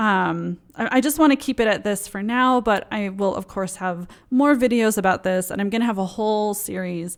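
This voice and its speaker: A plain, everyday voice from a woman at medium pitch, moderate pace, ordinary pitch variation, hardly any pauses, and a very clean recording with a silent background. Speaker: presentation skills trainer. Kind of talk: tutorial. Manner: casual, many fillers.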